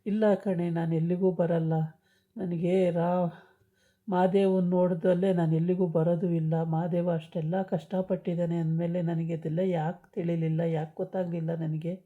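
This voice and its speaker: A woman's voice: lowish voice, level tone, normal speed, narrow, tinny audio, natural voice. A woman voicing a tearful young wife full of regret, quoted in a casual retelling of a story. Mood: regretful.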